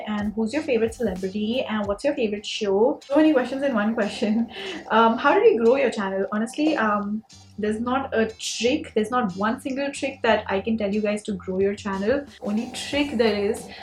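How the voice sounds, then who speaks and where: A young woman with an Indian Punjabi accent chatting casually and candidly as a beauty vlogger answering questions. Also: on the high side. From Mumbai, India. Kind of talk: casual chatty Q&A while doing makeup. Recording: roomy echo, music behind.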